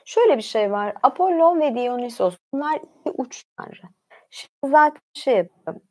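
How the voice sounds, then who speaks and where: Female streamer, slightly high voice, reads text aloud in an informal, conversational way with casual commentary. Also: expressive, normal speed, darkish tone. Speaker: livestream host reading about mythology. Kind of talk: reading aloud with casual asides.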